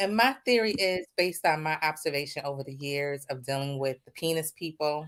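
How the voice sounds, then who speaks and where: Speaking at a fairly quick pace with hardly any pauses, a woman uses a very deep, low pitch and ordinary pitch variation. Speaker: podcast panelist. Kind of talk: casual group chat. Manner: soft-spoken.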